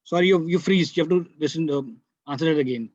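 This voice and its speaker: A man's voice: fairly high pitch, fast, darkish tone, no room sound. A man asking short interview questions, sometimes stumbling over his words. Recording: dull, dry lo-fi audio.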